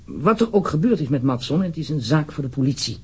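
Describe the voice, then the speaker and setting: A man's voice: a little high, very animated, brisk, breathy edge, exaggerated voice. A man with a Netherlands Dutch accent playing an uneasy, formal government official in a radio drama, wordy and hesitant. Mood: concerned, persuasive.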